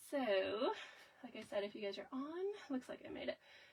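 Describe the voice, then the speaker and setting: A woman with a high-pitched voice and lively intonation talks against noticeable background noise. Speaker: scrapbooking host. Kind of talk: live stream tutorial. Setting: live stream at home. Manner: casual, chatty.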